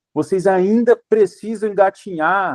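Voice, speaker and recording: This man has a Brazilian accent, a high pitch, and a fairly slow pace. The sound is dry and close with no echo, over a quiet background. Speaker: bible teacher. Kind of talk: bible teaching.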